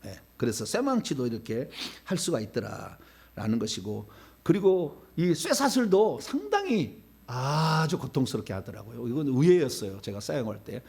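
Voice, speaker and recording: A man preaching a charismatic sermon at a church prayer meeting, telling stories with sudden shouted commands. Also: mid-range voice, sing-song, moderate pace, gravelly, breathy edge. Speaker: pastor. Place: church sanctuary.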